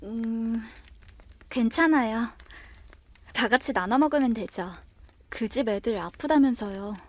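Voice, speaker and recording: A woman playing a gentle, sensible young eldest sister in an audio drama, speaking in a soft, coaxing, composed way. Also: fairly high pitch, measured pace, no room sound. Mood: agreeable. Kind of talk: Korean audio drama acting.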